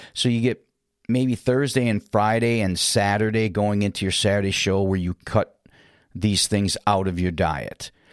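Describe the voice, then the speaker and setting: A man's ordinary speaking voice, fairly low-pitched, with an American accent, a moderate pace and ordinary pitch variation, in a very clean recording with a silent background and a dry, close sound with no echo. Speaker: singer and vocal coach. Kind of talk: tutorial. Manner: casual.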